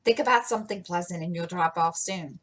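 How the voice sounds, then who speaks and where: A woman's voice: on the low side, a little fast. A woman reading the lines of a caring, anxious teenage older sister. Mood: concerned. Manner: soft, anxious.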